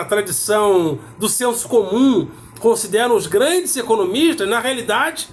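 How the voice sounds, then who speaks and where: A man lecturing on philosophy, measured and emphatic, repeating key words for weight. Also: very high voice, a little hiss or hum. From South America. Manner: measured, emphatic repetition with pauses. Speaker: philosophy teacher. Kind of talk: explanatory lecture.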